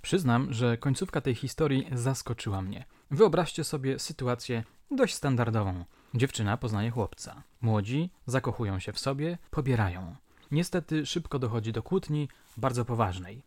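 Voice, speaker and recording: A man's voice: medium pitch, lively intonation, normal speed, a little mellow, no echo, studio quality. A man hosting a true-crime podcast, reading old newspaper reports aloud in scripted, theatrical narration and putting rhetorical questions to his listeners. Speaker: podcast host.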